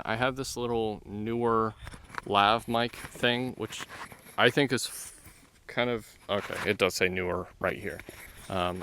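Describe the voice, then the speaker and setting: A man's voice: on the low side, a bit bright. A man reviewing camera gear as a vlogger, rambling and thinking aloud while testing small wireless mics outdoors. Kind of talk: casual outdoor mic test talk. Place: outdoors in the wilderness, wind at times. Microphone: small wireless clip-on mic, moved around.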